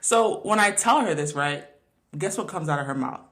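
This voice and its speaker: A woman's voice: on the low side, expressive, normal speed, fairly bright tone. A woman in her twenties hosting a podcast, telling a personal story in an emphatic, slangy way with frequent laughter. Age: 20s. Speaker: podcast host.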